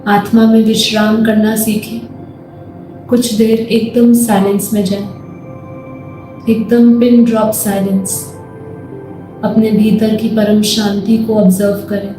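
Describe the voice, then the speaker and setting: Echoey, slow-speaking Indian woman guiding meditation. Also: mid-range voice. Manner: calm, measured, instructive. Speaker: guided meditation teacher. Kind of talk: guided meditation with spiritual teaching. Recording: very echoey voice over faint music. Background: soft music.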